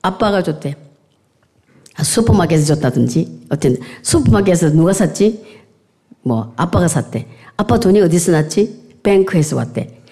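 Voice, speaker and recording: A woman's voice: lowish voice, animated, moderate pace, long pauses, dark tone. An older woman preaching a sermon to a congregation, exhorting listeners and repeating key phrases for emphasis. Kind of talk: sermon to a congregation, with scripture reading and amen prompts.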